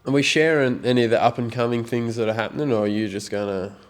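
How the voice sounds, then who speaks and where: A man's voice: medium pitch, fairly even intonation, fast talker. An Australian man co-hosting a podcast in casual chat, laid-back, sweary and full of slang. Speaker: podcast co-host.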